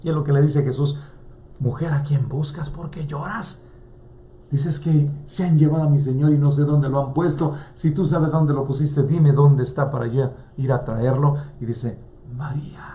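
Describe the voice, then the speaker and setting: A man's voice: a little high, steady tone, normal speed, hardly any pauses, dark tone, slight background noise. A male priest preaching a sermon with passion, his voice rising and dropping as he quotes scripture. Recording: echoey room.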